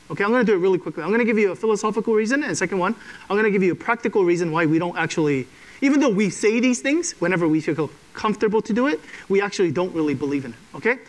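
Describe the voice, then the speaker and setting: A pastor whose voice sits high delivers a sermon to a congregation, caught on a rough recording. He talks to them conversationally and keeps asking "okay?" along the way.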